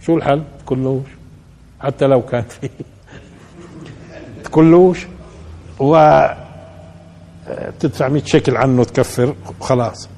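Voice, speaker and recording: Gravelly-voiced Palestinian sheikh teaching. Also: male voice, mid-range voice, unhurried, long pauses, warm tone, slight background noise. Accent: Palestinian Arabic. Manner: conversational, poses rhetorical questions and answers them. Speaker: sheikh teaching Quran commentary. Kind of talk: colloquial religious lesson.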